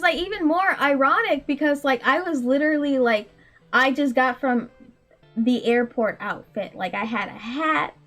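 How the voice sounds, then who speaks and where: A woman in her late twenties with a very high, small voice, telling a story in a casual chat full of laughs and fillers. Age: late 20s. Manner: animated, laughs often, frequent likes and ums. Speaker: indie game developer and streamer.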